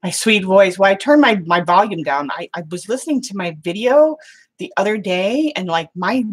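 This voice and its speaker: A middle-aged woman hosting a live watercolor painting stream, chatting with viewers between steps in a loud, halting way full of fillers. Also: mid-range voice, lively intonation, slightly rough. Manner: loud voice by her own account, halting with fillers and restarts. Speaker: watercolor livestream host.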